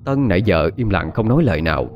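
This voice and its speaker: A man's voice: low-pitched, expressive, fast talker. Man narrating a story. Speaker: audiobook narrator.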